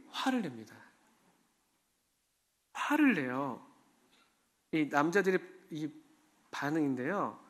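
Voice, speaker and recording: A man's voice: a little high, fairly bright tone. A man preaching a sermon in a church, talking conversationally and asking the congregation questions. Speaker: pastor.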